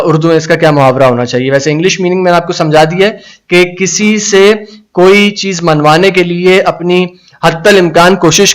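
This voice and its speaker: A man teaching English idioms in Urdu on a live stream, reading the English lines slowly and then explaining them. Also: on the high side, low-quality recording. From Pakistan. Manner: reads viewers' comments aloud.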